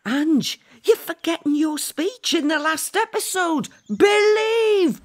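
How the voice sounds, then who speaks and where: Commanding cartoon old lady, played by a woman, high, lively pitch, competitive, rallying. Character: bossy, competitive elderly female crew leader. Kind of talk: animated comedy character acting.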